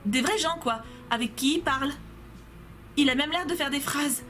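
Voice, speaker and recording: A woman's voice: high-pitched, normal speed, a bit bright. A young woman playing a story game, reading the dialogue aloud in her own voice and chatting to viewers between scenes. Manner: playful, reads all characters in her own voice, asides to viewers. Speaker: game let's player.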